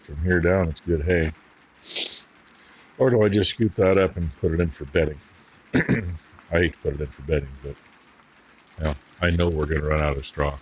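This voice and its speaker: Middle-aged male farm vlogger, low-pitched, folksy and rambling, casual chore talk with some background noise. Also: fairly even intonation, normal speed, long pauses, rough recording. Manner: rambling, folksy, thinking aloud. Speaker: farmer vlogger. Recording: noticeable background noise and rattling.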